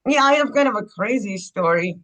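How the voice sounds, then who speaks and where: A woman's voice: mid-range voice, expressive, brisk, a bit bright, low-quality recording. A woman from Ukraine, candidly telling her life story as a guest on a podcast interview. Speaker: guest, clinic owner.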